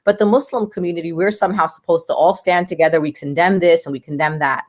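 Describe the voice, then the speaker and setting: A woman's voice: fairly low pitch, steady tone, quick pace. A woman, speaking as a guest in an interview, talking with passion and emphasis. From United States. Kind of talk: podcast interview.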